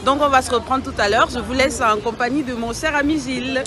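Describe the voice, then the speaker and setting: A woman's voice: sits high, a little fast. A woman vlogger from the Gers talking casually and encouragingly to her viewers outside a cinema. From Gers, France. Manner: upbeat, encouraging, chatty. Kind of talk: casual vlog address to viewers. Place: outside a cinema at a premiere, crowd around. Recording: crowd noise behind. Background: crowd.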